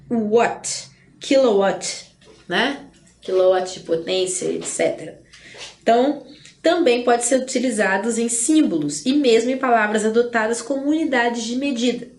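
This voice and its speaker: A Brazilian woman teaching an online exam-prep lesson. She explains slowly and deliberately, spells words out, and keeps checking in with "né?". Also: a little high. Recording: echoey room.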